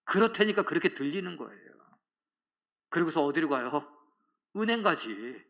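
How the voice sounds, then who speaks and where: A man's voice: a little high, very animated, normal speed, vocal fry, a bit bright. A male pastor preaching a Sunday sermon, asking rhetorical questions and answering them himself. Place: church.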